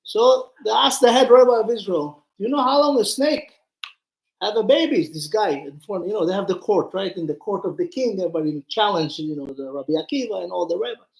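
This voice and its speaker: A man's voice: high-pitched, animated, brisk, gravelly, echoey room, rough recording. A man, a rabbi, giving an informal Torah lesson, retelling stories with acted-out dialogue and putting questions to his listeners. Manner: conversational, acts out dialogue, puts questions to listeners.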